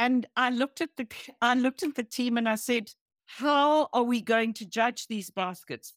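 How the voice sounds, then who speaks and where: Here a woman with a South African accent speaks at a fairly high pitch and a moderate pace, using ordinary pitch variation. The sound is dry and close with no echo, on a very clean recording with a silent background. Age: 70s.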